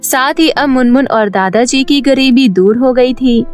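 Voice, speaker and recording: A woman's voice: high-pitched, a little slow, soft background music. A woman narrating a scripted children's story.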